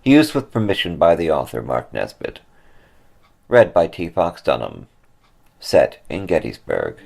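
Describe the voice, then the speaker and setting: A man reading a ghost story as scripted narration, with measured, theatrical phrasing. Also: sits low, huge pitch swings, gravelly, darkish tone.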